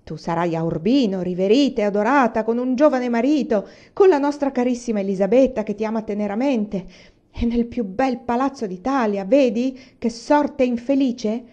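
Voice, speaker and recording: Woman reading a peremptory noble mother, loud and scolding, warm low tone, dull recording. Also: normal speed, close to an everyday voice. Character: stern, harried noblewoman mother.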